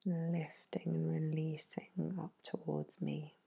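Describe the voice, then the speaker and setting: A woman whispering a soothing, unhurried ASMR massage narration in a hushed, breathy bedtime voice. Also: sits low, little pitch movement. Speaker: facial massage therapist.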